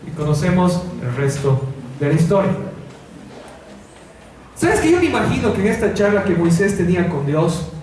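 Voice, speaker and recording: High-voiced preacher, echoey hall. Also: male voice, very animated, normal speed, pauses often, darkish tone. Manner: dramatic storytelling, direct questions to listeners. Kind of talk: sermon. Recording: echoey hall from far off, faint noise.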